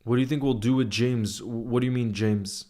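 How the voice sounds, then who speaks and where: On his relaxed football livestream, a man answers viewer comments informally after reading them aloud, repeating phrases often to stress his points. His voice is warm and medium-pitched, with fairly even intonation and normal speed.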